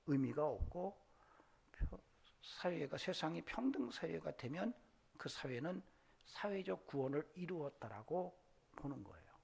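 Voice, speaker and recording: Male pastor, husky gravelly voice, preaching from hushed lows up to loud impassioned peaks. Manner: builds from hushed, low asides to loud, high-pitched exhortation. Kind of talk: Sunday sermon. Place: church sanctuary.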